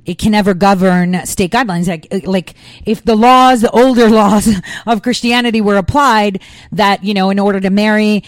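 A woman's voice: medium pitch, moderate pace, no echo. A woman from the United States giving emphatic political commentary, peppering her talk with fillers and rhetorical questions.

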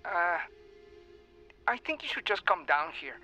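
A man's voice: high-pitched, sing-song, a little slow, over music. An actor playing a nervous male storage clerk, hesitant and stammering, heard over a phone line.

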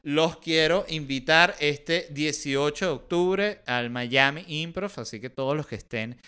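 A man with a Venezuelan accent delivers a casual comedic podcast monologue. His voice is bright and crisp, sitting a little high for a man. He talks with a sarcastic bite and swears freely. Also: a little slow. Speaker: podcast host.

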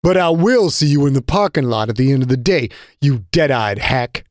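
A man's voice: medium pitch, animated, normal speed, no room sound, studio quality, close to an everyday voice. A man voicing a proud young male fighter who speaks with angry contempt. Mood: defiant.

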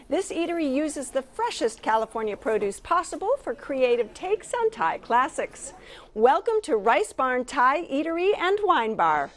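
Lively-voiced woman food show host. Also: high voice. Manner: upbeat, prompting guests.

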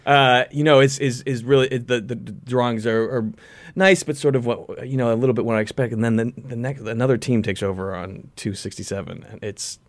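A man's voice: mid-range voice, steady tone, brisk, dry recording. A man speaking as an actor being interviewed, casual and self-deprecating, often searching for his words.

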